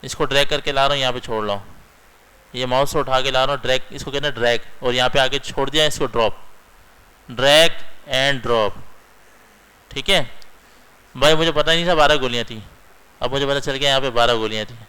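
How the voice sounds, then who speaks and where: A man's voice: medium pitch, fast talker, bright, forceful tone, clean tone, low-quality recording. A young man teaching a computer lesson, walking through each step and often checking in with his students. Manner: explains step by step, keeps checking in with "theek hai". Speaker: computer instructor. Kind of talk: screen-recorded computer lesson.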